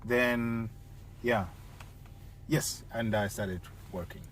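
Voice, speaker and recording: A man's voice: mid-range voice, fairly even intonation, very slow, a bit bright. A man from Tanzania chatting casually and informally as a host, with an exclamatory way of talking. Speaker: host, fellow taxi driver. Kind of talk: casual chat.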